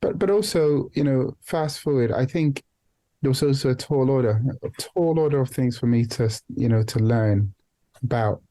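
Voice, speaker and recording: A man with a dark, relaxed tone and a middling pitch talks as a podcast guest. He is reflective and hesitant, often restarting a phrase or dropping in "you know" while he works out his point. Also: moderate pace. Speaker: guest, founder and CEO of a non-profit organization. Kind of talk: reflective podcast interview talk.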